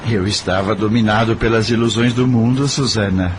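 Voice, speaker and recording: An actor playing an idealistic middle-aged Brazilian husband in a radio soap, speaking in an earnest, didactic, persuasive way. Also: male voice, lowish voice, steady tone, moderate pace, slight background noise, close to an everyday voice. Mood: confessional.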